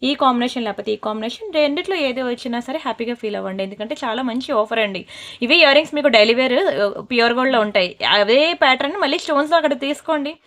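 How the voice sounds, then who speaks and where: A woman selling jewellery in a brisk, persuasive sales pitch, slipping into scolding asides. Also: expressive, a bit bright. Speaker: jewellery seller.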